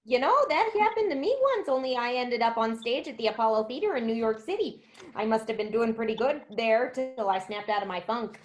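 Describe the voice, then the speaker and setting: Lady doing a folksy gossipy minnesota neighbor, a bit high, sketch comedy. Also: expressive, a little fast, lightly acted. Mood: chummy. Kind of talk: sketch comedy staged reading.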